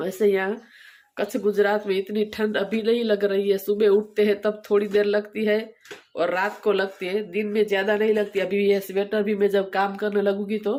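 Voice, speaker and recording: This woman's voice sits at a medium pitch and stays monotone and flat. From Gujarat, Kutch. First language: Gujarati (speaking Hindi). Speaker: homemaker vlogger. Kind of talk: casual vlog narration.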